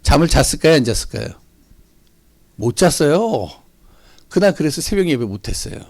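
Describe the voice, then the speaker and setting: Male pastor, sermon delivery, lively and gravelly, with storytelling asides. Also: a little high, normal speed, dry recording. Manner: animated storytelling, rhetorical questions to the congregation. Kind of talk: sermon with personal stories. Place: church sanctuary.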